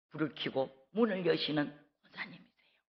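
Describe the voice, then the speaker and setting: Speaking with a Gyeongsang accent, a woman moves at a moderate pace while her pitch swings very widely. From South Korea, Gyeongsang region. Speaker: pastor. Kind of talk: sermon.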